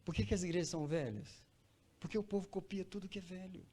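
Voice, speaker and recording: Male pastor, mid-high voice, fiery sermon in church, swings from hushed to shouting, repeats for emphasis. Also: fast, breathy edge. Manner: impassioned, swinging from quiet to loud and high; addresses listeners as brother, repeats phrases for emphasis.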